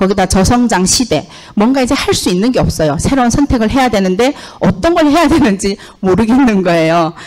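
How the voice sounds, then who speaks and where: A woman talks at a fairly quick pace in a fairly high pitch. Her pitch swings very widely while her loudness stays very even. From China. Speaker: network marketing speaker, former teacher; speaker, former teacher. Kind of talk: business presentation lecture. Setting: seminar room with live audience. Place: classroom. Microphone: handheld.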